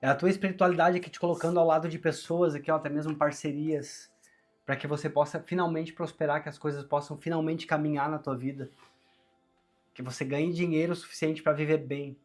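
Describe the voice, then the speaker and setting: Brazilian man with strained, sore-throated, higher voice. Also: flat delivery, a little fast, faint music behind. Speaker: tarot reader, channel host. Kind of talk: conversational tarot reading to viewers.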